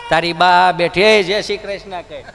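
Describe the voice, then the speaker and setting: Male stand-up comic, Kathiawadi accent, high voice, folksy and chatty. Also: steady tone, normal speed, creaky, noisy background. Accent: Kathiawadi Gujarati. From Gujarat, India. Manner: folksy, chatty, acts out characters. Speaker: stand-up comedian. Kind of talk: stand-up storytelling.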